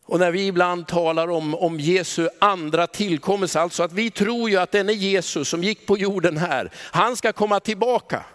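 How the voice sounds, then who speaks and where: High-voiced male preacher in echoing church. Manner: dramatic pauses, dropping to a soft low voice on key words. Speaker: pastor. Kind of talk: sermon. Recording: long church reverb.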